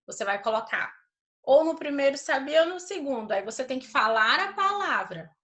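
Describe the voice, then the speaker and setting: A woman teacher, giving a recorded grammar lesson to schoolchildren. She reads example sentences slowly and deliberately, stopping often to ask "certo?". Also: high voice, sing-song, fairly bright tone. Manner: checks understanding with "certo?".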